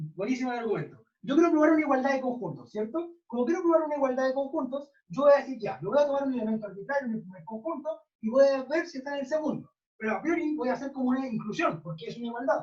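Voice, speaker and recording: Speech rushes out at a very fast pace with hardly any pauses. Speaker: teaching assistant. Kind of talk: tutorial.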